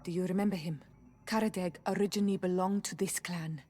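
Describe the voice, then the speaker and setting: A woman's voice: lowish voice, steady tone, brisk, mellow, lightly acted. A woman playing a proud, defiant young tribal chieftain's daughter in a video game, speaking earnestly and firmly. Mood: serious. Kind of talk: video game cutscene acting.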